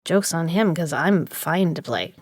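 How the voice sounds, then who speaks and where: A woman's voice: low voice, expressive, a little slow, darkish tone, dry recording, studio quality. A woman acting in an audio drama as a stubborn poker player who is drugged and woozy, with a drowsy, loopy delivery.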